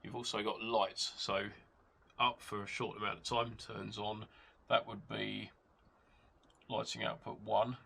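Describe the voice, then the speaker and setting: A man with a stuffed-up nose from a cold, hosting his channel and calmly explaining a hobby gadget step by step from his workshop. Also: on the low side, measured pace, vocal fry, long pauses, husky. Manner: explains step by step, relaxed, with hesitations. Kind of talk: casual product demonstration. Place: home workshop with rain outside. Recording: rain and model engine noise behind.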